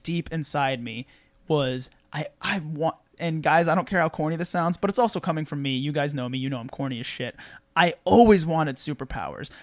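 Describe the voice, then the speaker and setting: A man's voice: a little high, no room sound. A man hosting a podcast in casual chat, swearing freely and laughing as he tells stories. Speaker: podcast host.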